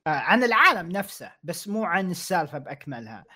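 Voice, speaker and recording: A man co-hosting a casual podcast chat in a relaxed way, dropping English words into his talk. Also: sits high, fast, husky. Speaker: podcast co-host.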